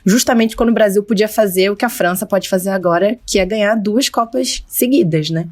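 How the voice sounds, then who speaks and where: A woman's voice: mid-range voice, brisk, a little mellow. A Brazilian woman hosting a podcast, asking her guests questions conversationally. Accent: Brazilian Portuguese. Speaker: podcast host. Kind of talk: podcast interview.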